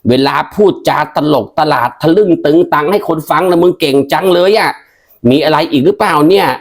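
A coarse older village auntie, put on by a woman, who talks rough and blunt and lectures without pause. The voice sits noticeably lower than a plain speaking voice and carries a brash, folksy edge. It is a broad comedy-sketch character. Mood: scolding. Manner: crude, scolding, uses rough familiar speech.

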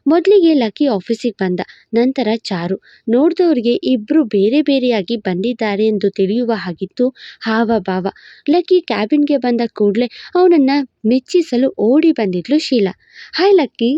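A woman storyteller reading a romantic story in an even, expressive way. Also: a little high, no room sound, lo-fi sound. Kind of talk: scripted storybook narration.

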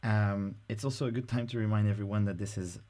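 Brief: male presenter, low mellow voice, relaxed screen-recording tutorial delivery with filler words. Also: quick pace. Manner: casual, explanatory, frequent "uh" fillers.

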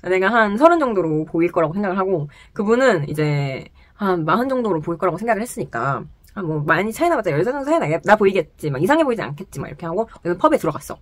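A young woman telling a personal story to the camera in casual chat, animated and laughing often, in a small indoor room. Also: lowish voice, quick pace, few pauses, no room sound. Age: young adult. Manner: animated, laughs often, gestures while talking. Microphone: camera close in front, sitting.

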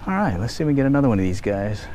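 An angler films himself fly fishing at a park pond on a head-mounted action camera, keeping up casual running commentary with relaxed, muttered asides as he casts. He talks in a racing, medium-pitched voice, and the low-quality outdoor recording has a little hiss or hum.

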